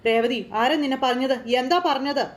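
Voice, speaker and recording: A woman's voice: high voice, normal speed, lightly acted. A woman voicing a young husband who keeps pressing his crying wife to tell him what happened. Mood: coaxing. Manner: urgent, repeated coaxing questions.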